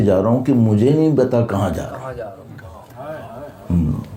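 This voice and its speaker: A man's somewhat breathy, medium-pitched voice with a dark, mellow tone and lively intonation, in audible room echo. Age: 50s. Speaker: Shia cleric. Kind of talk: religious sermon (majlis).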